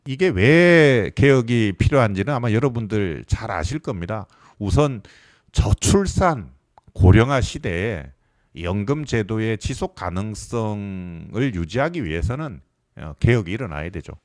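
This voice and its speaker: A man in his fifties lectures in an explanatory way and throws questions out to his listeners. His voice sits fairly low but swings widely in pitch. The sound is dry and close. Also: expressive, measured pace, no room sound. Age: 50s. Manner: explanatory, asks the audience questions. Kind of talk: live lecture on pension reform.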